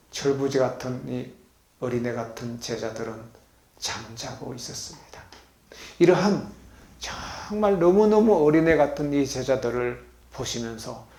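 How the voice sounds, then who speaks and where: A man preaching as a pastor, leading the congregation in reading and call-and-response, moving between loud exclamations and soft low asides. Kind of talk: sermon with congregation reading along. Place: healing center meeting hall. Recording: echoey hall.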